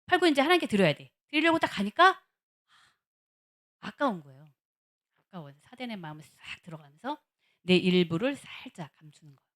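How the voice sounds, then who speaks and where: A woman's voice: mid-range voice, big pitch swings, fairly quick, long pauses, a bit bright. A woman giving a church lecture on counseling psychology. She asks the audience questions and acts out what other people say.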